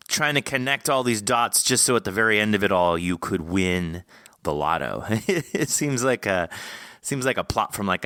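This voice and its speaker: A man with a fairly low, crisp and forward voice, recorded close and dry. He hosts in a conversational style, wandering through long, wordy questions as he works out his thoughts. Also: bright, forceful tone, no echo. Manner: wordy, rambling, thinking aloud. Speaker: podcast host interviewing an author. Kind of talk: casual interview chat.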